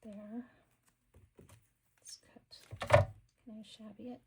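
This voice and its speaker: A woman hosting a craft video, talking quietly and murmuring to herself as she works, a little sniffly. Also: on the high side, little pitch movement, takes it slowly, gravelly, a little hiss or hum. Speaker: craft channel host. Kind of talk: casual craft-along chat.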